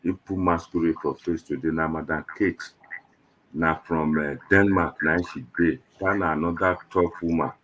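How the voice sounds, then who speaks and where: A man's voice: a bass voice, steady tone, normal speed, fairly bright tone, dull audio, a little hiss or hum. A man with a Nigerian accent hosting an online panel show in Nigerian Pidgin, talking to viewers in a casual, rambling, conversational way.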